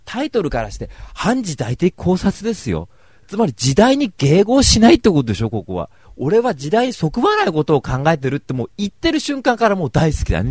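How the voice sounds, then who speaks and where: A man's voice: medium pitch, darkish tone, husky, no room sound. A man giving a casual, rambling book review, wry and self-mocking.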